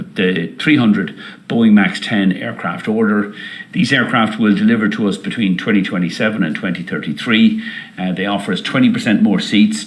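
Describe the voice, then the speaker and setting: A man presenting company results as an airline executive, semi-scripted, in a deliberate, hesitant delivery with frequent pauses. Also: sits low.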